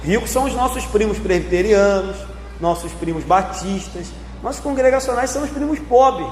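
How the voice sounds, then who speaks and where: Male pastor with a high voice, preaching with emphatic repetition in a reverberant church room. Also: expressive, darkish tone, faint music behind. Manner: emphatic preaching, slowing down on repeated phrases. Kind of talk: sermon. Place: church sanctuary. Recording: echoey church hall, faint background noise.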